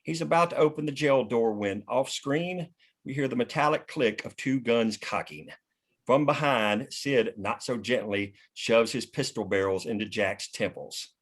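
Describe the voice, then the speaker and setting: A man's voice: mid-range voice, normal speed. A man hosting a script table read, reading stage directions and chatting casually. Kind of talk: script narration and casual discussion.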